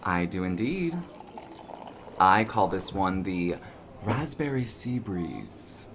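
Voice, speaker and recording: A man's voice: sits low, sing-song, slow pace, noisy background, heavily acted. A man playing a friendly, bashful coffee maker in casual audio drama dialogue, chatty and a bit awkward.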